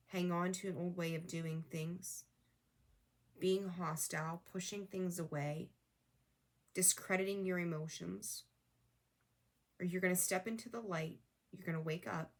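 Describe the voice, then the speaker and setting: Woman, tarot reader, slightly low voice, earnest, repetitive, hoarse edge. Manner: earnest, repetitive coaching, talks straight to viewers. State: losing her voice, clearing her throat. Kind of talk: casual spiritual tarot reading.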